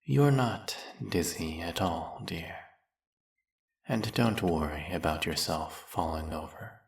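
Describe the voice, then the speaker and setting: A snake-headed villain with a silky, coaxing manner, voiced by a man. His voice sits very low with a gravelly, husky grain, and he takes his time with every word. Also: slow, full character voice. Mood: hypnotic. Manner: silky, coaxing, soft-spoken and purring. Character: smooth-talking snake-headed male villain, hypnotist. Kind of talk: audio roleplay.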